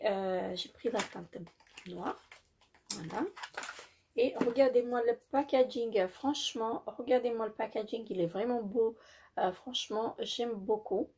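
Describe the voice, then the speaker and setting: Woman beauty vlogger, unhurried delivery, slightly husky tone, halting casual haul talk. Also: on the high side, darkish tone. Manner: hesitant, many fillers, repeats "très joli"; apologizes for her English.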